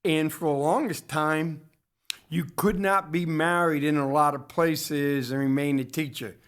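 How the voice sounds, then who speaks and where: A man with a somewhat high voice talks through a lecture-style commentary for a community TV show. His delivery is unhurried and halting, and he often stops to restart or correct a word. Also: steady tone, a bit bright, clean tone. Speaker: host of a local community TV talk show.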